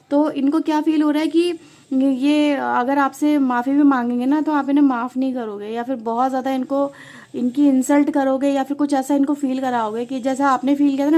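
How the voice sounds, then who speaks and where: A woman gives a tarot reading in a relaxed, conversational way, often speaking straight to her viewers. Her voice sits high but sounds mellow and soft rather than bright. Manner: conversational, mixes English words, addresses viewers often. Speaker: tarot reader.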